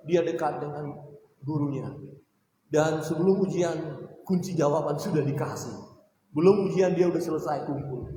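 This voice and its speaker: A man with a high voice delivers a sermon, pressing his points with rhetorical questions. His voice rings through a big church hall with a long, heavy reverb, and a faint background hiss sits under it. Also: darkish tone. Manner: emphatic preaching with rhetorical questions. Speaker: pastor.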